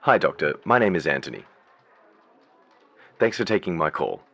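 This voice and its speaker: A man playing a businesslike telephone relay officer in a radio drama, with a husky voice, passing on a caller's words. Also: rumbling low, big pitch swings, normal speed, fairly bright tone, exaggerated voice.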